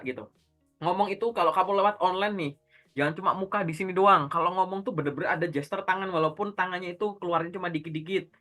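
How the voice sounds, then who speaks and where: A man with a bright, forward voice coaches someone one-on-one in a relaxed, slangy way. He fires off rhetorical questions and answers them himself. Faint music plays underneath. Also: sits high. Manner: direct, instructive, uses everyday slang. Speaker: career coach. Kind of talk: casual one-on-one coaching talk.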